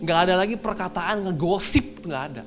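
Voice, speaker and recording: A young man, a pastor, preaching a sermon and telling a story to his congregation in a lively way. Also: high voice, fairly quick. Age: young adult. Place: church hall. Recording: with clear music behind.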